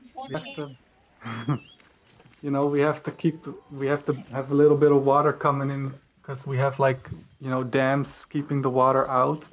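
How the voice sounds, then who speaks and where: At a moderate pace, a man speaks at a fairly high pitch in a monotone, flat way, leaving long, frequent pauses. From Netherlands. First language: Dutch. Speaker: gamer on a group stream. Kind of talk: casual chat.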